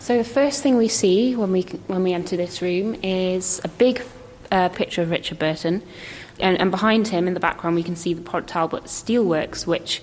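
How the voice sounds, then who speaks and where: Noticeable background noise sits behind a woman talking at a moderate pace with ordinary pitch variation. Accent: Welsh. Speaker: musician and singer-songwriter presenting a museum visit. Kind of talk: casual walking tour chat. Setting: on location in a museum.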